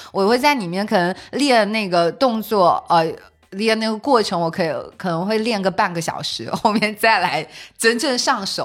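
Lively intonation from a woman, pitched fairly high, at a moderate pace. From Longyan, Fujian, China. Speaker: coffee shop explorer. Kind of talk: casual chat.

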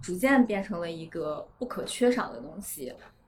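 With noticeable background noise behind her, a woman speaks fairly slowly at a medium pitch with lively intonation. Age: 30s. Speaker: listener. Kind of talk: casual chat.

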